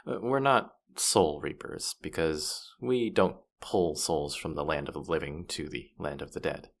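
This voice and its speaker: A man plays a smug demon guide of the afterlife in a fantasy audio drama. His voice sits very low with a gravelly fry, and he takes his time over each line. He is playful and teasing, quick to boast and to act wounded. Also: full character voice. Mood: explaining, hesitant. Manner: playful, smug, mock-offended, hesitating mid-thought. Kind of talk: scripted character audio roleplay addressed to the listener.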